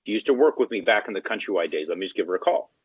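A man's voice: lowish voice, very fast, slightly rough, dry recording. A man telling a story as an interview guest in a casual way, acting out the dialogue as he goes. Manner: animated, acts out quoted dialogue. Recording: tinny phone-line sound, dry.

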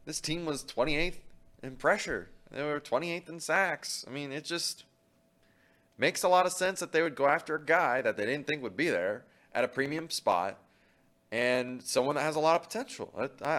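A man's voice: on the high side, fairly bright tone. A man co-hosting a casual sports talk show, talking in an easygoing, conversational way. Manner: easygoing, conversational, repeats himself. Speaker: podcast co-host.

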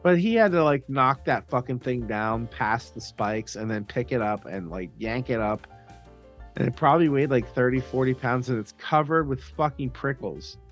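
A male podcast co-host with a middling pitch talks in casual comedic banter. He is profane and crude in his joking. Soft music sits behind the voice. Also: expressive, normal speed.

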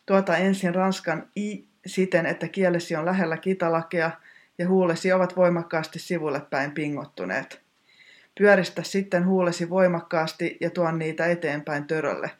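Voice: medium pitch, steady tone. A teacher giving a scripted pronunciation lesson in a precise, technical, instructive manner.

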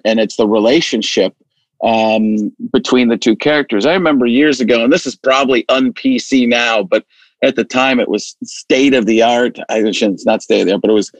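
A man's voice: mid-range voice, no echo, rough recording. Rambling male podcast host. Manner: rambling, animated storytelling with restarts. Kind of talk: casual chat.

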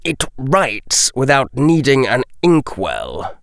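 A curious young aristocratic boy presses with eager, pointed questions, as a male reader puts him on. The delivery is slow and measured. The sound is dry and close. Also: mid-range voice, huge pitch swings, vocal fry, no room sound, pitched above the performer's own voice, full character voice. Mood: intent.

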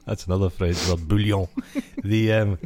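Scottish man, middle-aged, very low voice; loose, jokey podcast co-host who wanders off topic. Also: fairly even intonation, normal speed, darkish tone. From Scotland. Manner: rambling, jokey, trails off into tangents. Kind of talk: casual comedic chat.

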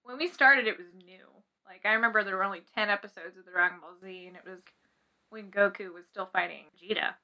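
A woman's voice: medium pitch, fast, sharp tone, poor audio. A young woman co-hosting a podcast in casual chat. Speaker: podcast co-host.

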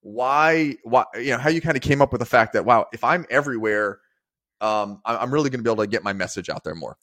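An upbeat man hosting a business podcast, easygoing and chatty. His voice sits at an ordinary middle pitch, and he drops in casual fillers as he goes. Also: animated, quick pace, a bit bright. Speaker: podcast co-host.

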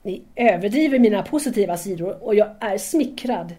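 A woman's voice: medium pitch, lively intonation, mellow, close to an everyday voice. A woman acting in an audio drama as a shy, admiring young female student who doubts herself and speaks hesitantly and deferentially. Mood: self-doubting.

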